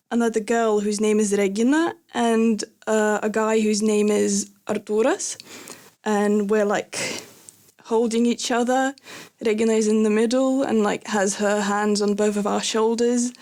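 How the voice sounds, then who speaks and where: A young adult woman whose first language is Lithuanian, telling a personal story as a podcast guest, hesitant with many fillers and soft laughs. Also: on the high side. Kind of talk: casual conversational storytelling.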